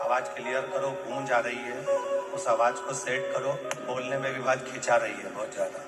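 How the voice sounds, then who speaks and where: A man giving a devotional Hindu scripture discourse to a congregation, phrasing deliberately with long pauses. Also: steady tone. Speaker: Hindu religious storyteller and preacher. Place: large venue over a public-address system. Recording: echoey booming PA, long reverb, music.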